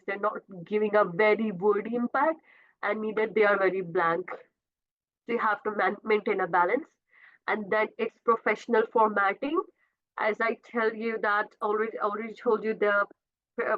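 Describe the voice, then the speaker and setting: A woman whose first language is Urdu talks through career tips on a webinar. Her voice sits in a middle register, and she keeps correcting herself with small uh sounds. The audio is narrow and phone-like. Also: medium pitch. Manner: repeats and self-corrects, frequent uh fillers. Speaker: career coach presenting a webinar. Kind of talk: informal presentation with slides. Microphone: video call. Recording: tinny phone-like video call audio.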